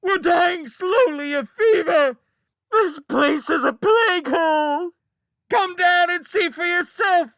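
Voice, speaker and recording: A man voicing a loud, mischievous young male mouse who howls in a piercing yell in an audiobook. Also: very high-pitched, animated, takes it slowly, dry recording, pitched above the performer's own voice, heavily acted. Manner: piercing yelling, howling for help. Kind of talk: audiobook character voice.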